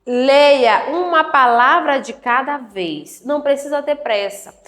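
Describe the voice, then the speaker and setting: A woman teacher with a fairly high voice speaks very slowly, sounding out each syllable and checking in with her students. She is recorded in an echoey room with faint music behind her. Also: fairly bright tone. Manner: slow, clearly syllabled, encouraging questions to students. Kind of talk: slow classroom lesson for adult learners.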